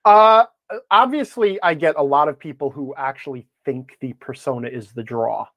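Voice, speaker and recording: A man's voice: fairly high pitch, moderate pace, dry recording, highs cut off. A man talking casually as an interview guest, telling anecdotes in an emphatic way and punctuating his points. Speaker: guest, tabletop gaming blogger.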